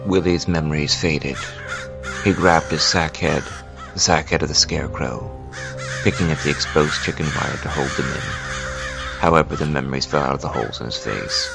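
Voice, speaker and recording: A man gives a slow, ominous dramatic reading of a horror book excerpt. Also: extremely low pitch, gravelly. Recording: music bed behind.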